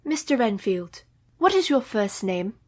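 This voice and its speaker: Woman voicing an earnest young wife, gentle questions, slightly high, radio play. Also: sing-song, unhurried. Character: Mina Harker, earnest young married woman.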